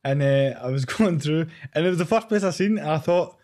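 Glasgow scottish lad, slightly high voice, casual slangy chat. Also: male voice, animated, fairly quick, a little mellow. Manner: slangy, informal.

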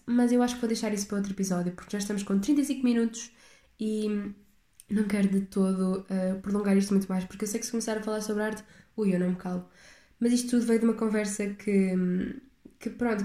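A woman's voice: medium pitch, fairly even intonation, fast, warm tone, roomy sound. A young woman with a European Portuguese accent hosting a casual solo podcast, rambling and reflective as she chats. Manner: rambling, reflective, chatty with restarts. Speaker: podcast host.

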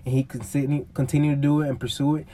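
A man's voice: mid-range voice, flat delivery, fast, mellow, a little hiss or hum. A man co-hosting a casual conversation, blunt and heavily profane. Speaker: podcast co-host. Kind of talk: crude casual chat.

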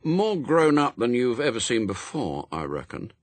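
A man's voice: medium pitch, sing-song, normal speed, dry recording. A man voicing a self-assured boy gang leader of about eleven, matter-of-fact and airy. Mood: thoughtful.

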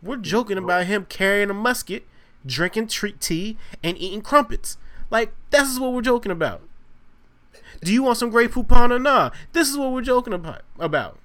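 Slangy American man with a higher-pitched voice. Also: lively intonation, moderate pace, fairly bright tone. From Virginia, United States. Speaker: podcast host. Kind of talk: casual podcast chat.

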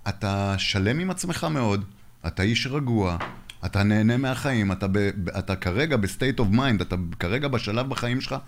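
A man's voice: lowish voice, lively intonation. A man hosting a casual podcast interview, cheering his guest on with short replies. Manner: encouraging, short affirmations. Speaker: podcast host.

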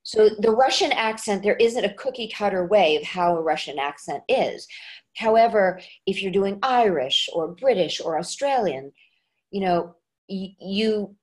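A woman's voice: medium pitch, lively intonation, a little slow. Chatty woman dialect coach. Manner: chatty, many restarts and fillers. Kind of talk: casual interview talk.

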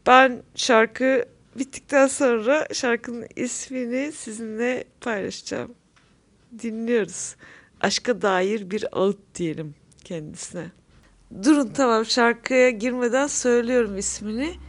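Woman DJ, slightly high voice, frank and easygoing between tracks. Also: unhurried. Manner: chatty, laughing often, frank. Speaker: radio show host. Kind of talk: casual music show chat.

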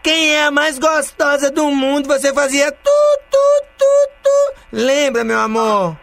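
Man playing a teasing, effeminate prank-call diva, high and bright, lilt. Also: expressive, unhurried, gravelly, no room sound, heavily acted. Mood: flirty, teasing. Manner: coos and teases in a sing-song voice. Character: flirty, effeminate "almost-woman" caller persona. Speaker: prank caller.

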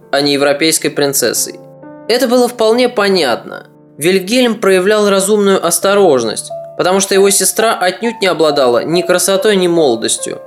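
A podcast narrator reading a scripted history story in a measured, slightly ironic way. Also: mid-range voice.

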